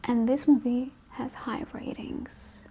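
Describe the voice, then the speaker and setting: Breathy, whispering woman, softly spoken. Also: on the high side, fairly even intonation, slow pace. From Russia. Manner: sassy, exasperated, conversational. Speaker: host of an ASMR film review show. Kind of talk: softly spoken ASMR rant and chit-chat.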